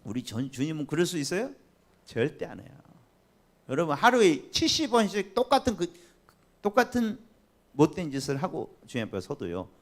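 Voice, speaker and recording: Animated Korean pastor preaching a sermon. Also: male voice, on the high side, moderate pace. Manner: animated, often acting out quoted voices and asking the congregation questions. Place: church sanctuary.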